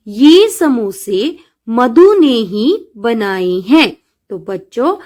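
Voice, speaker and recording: An Indian woman teacher speaks slowly and carefully, as if to a class of young pupils. Her voice sits a little high and rises and falls with a lively, sing-song lilt. She explains step by step and reads example sentences out slowly. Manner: slow, patient, addresses pupils as children and dear. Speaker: school teacher. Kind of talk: online class lesson.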